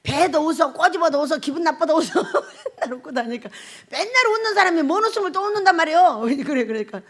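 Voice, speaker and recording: A middle-aged woman pastor preaches a sermon animatedly in a high, fast voice. She laughs often and puts questions to the congregation.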